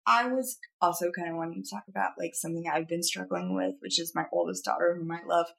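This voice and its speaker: A woman's voice: on the low side, steady tone, fast, gravelly, a bit bright. A woman in her thirties talking through a personal worry in casual podcast chat, earnest and rambling, with many fillers and restarts. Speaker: podcast co-host. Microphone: studio podcast mic.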